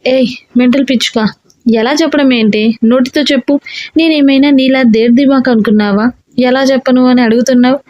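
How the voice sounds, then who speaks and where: A woman's voice: sits high, steady tone, a little fast, a little mellow, no room sound, muffled recording, natural voice. A woman reading a story aloud and voicing a bossy, irritable young man who scolds the heroine. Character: gruff bossy young man, a rowdy hero.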